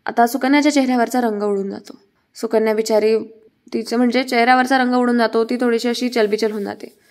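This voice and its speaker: A woman's voice: on the high side, fairly even intonation, quick pace, darkish tone. A woman casually retelling a television serial episode in a chatty way, with many fillers. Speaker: serial recap narrator.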